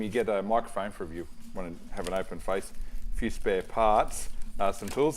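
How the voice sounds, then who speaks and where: A man with an Australian accent talks through gear in a casual, unscripted review style. His voice sits a little low and his delivery is plain-spoken and matter-of-fact. Some ambient noise runs behind him. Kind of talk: casual product review to camera.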